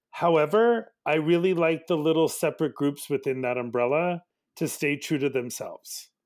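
An ordinary speaking voice from a man, fairly high in pitch, at a moderate pace with ordinary pitch variation and very even loudness, on a very clean recording with a silent background. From Northern California (Walnut Creek). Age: 50s. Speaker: podcast guest, LGBTQ community member. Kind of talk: casual chat.

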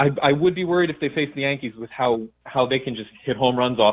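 In an American accent, a man with an unremarkable speaking voice talks at a fairly quick pace, at a medium pitch with ordinary pitch variation. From Central New Jersey (Somerville). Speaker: sports reporter. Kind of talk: phone interview. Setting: phone call.

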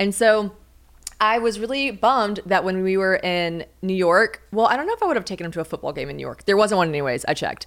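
Speaking at a very fast pace with a Southern US accent, a woman sounds animated. Her pitch is medium, with ordinary pitch variation. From US South. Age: 20s. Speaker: podcast host. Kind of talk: casual chat.

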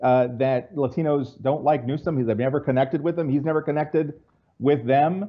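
With an American accent, a man talks at a fairly quick pace. His pitch is fairly high. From Central California. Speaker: newspaper columnist and podcaster. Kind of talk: interview.

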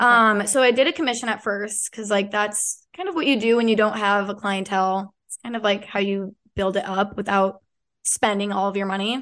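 A woman with an American accent talks in a normal speaking voice at a medium pitch. Her pace is moderate and her intonation fairly even. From Illinois, south of Chicago. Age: 20s. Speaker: hairstylist. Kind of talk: casual chat. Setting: video call.

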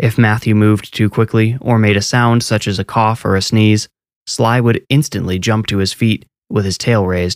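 With fairly even intonation, this is plain reading aloud over a quiet background.

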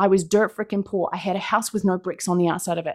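Speaking at a fairly quick pace, this voice has an animated tone and a New Zealand accent. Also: woman. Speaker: motivational speaker. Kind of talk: keynote presentation. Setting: live conference talk streamed on Zoom.

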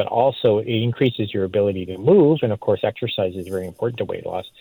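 A man with an ordinary speaking voice, fairly low pitch, and a fairly quick pace. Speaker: health product specialist. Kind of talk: sponsored product talk.

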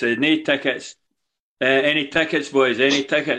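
A man speaks with a Scottish accent at a fairly high pitch. His tone is bright and sharp. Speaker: former assistant football coach. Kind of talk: casual chat.

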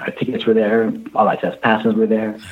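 An unremarkable speaking voice, a man's, at medium pitch with fairly even intonation and an American accent. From grew up in Frankfurt, Germany (US military family). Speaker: rock fan telling music stories. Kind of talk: casual storytelling.

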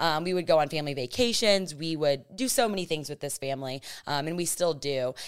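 A woman speaks with a Southern US accent in a very deep, low voice. The recording is very clean, with a silent background. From US South. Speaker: sales representative. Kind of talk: casual chat.

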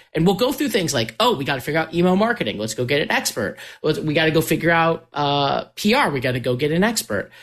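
A man with an American accent and a fairly high pitch, talking at a very fast pace with very wide pitch swings and hardly any pauses, against a quiet background. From Chicago. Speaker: entrepreneur and investor. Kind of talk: casual chat.

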